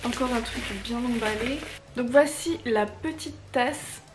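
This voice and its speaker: Woman, highish voice, gushing casual unboxing chat, faint music behind. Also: unhurried. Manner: gushing, enthusiastic. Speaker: unboxing vlogger.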